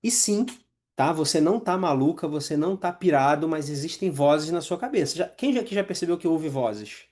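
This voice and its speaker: A man's voice: on the high side, animated, fairly quick, darkish tone. A man who is a hypnotherapist and mental coach, teaching a live masterclass in a conversational way and asking the audience questions. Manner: conversational, asks the audience questions, acts out inner voices.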